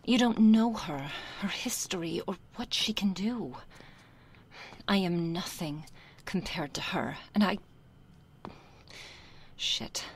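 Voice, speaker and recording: A breathy young succubus played by a woman in an ASMR role-play. She speaks slowly and rather low, hesitant and flustered, with a reluctant, affectionate softness. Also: heavily acted. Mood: anxious. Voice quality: soft, husky, breathy. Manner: hesitant, flustered, succubus-like soft intimate delivery. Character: nervous young female succubus, reluctant, sheepish, affectionate daughter.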